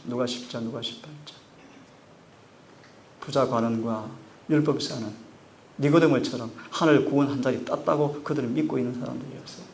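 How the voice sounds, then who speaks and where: A man preaching a sermon, acting out scripture dialogue with big swings in pitch and loudness. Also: vocal fry, slight background noise. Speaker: pastor.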